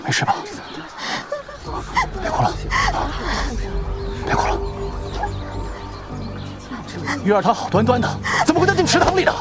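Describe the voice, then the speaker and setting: An actor playing an earnest, quick-tempered young prince in a period drama, speaking formally, with soundtrack music behind. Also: male voice, extremely high pitch, big pitch swings, heavily acted. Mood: worried.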